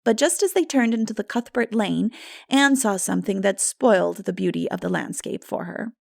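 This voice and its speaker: A woman reading literary narration as an audiobook narrator, in an expressive, measured storytelling manner. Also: medium pitch, vocal fry, no room sound, clean studio sound.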